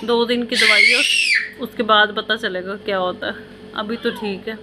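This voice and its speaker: A woman's voice: on the high side, fairly even intonation, moderate pace, shouting. Chatty woman filming at home. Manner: chatty, coaxing and soothing toward her children. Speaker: mother and family vlogger. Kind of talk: casual home vlog talk. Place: home indoors at night. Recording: noisy home phone recording.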